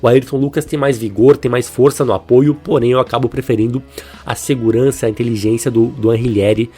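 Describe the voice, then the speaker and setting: A man's voice: medium pitch, fairly even intonation, a little fast, warm tone. A Brazilian man comparing football players in an opinionated, conversational way, with a stuffy nose and a swollen, inflamed throat from the flu. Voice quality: congested, stuffy-nosed, husky. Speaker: football video host. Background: music under the voice.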